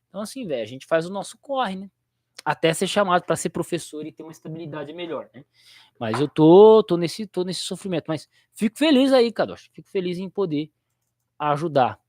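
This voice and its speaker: A man's voice: fairly high pitch, big pitch swings, normal speed, a little mellow, dry recording, clean studio sound. A young Brazilian man who teaches theology, chatting casually on his livestream in a rambling, slangy way and laughing easily.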